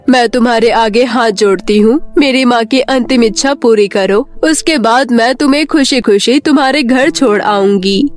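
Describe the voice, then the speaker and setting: A woman voicing a calm, persuasive witch in a cartoon story, measured and coaxing. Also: a little high, lightly acted. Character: calm, persuasive adult witch who shapeshifts from a cat.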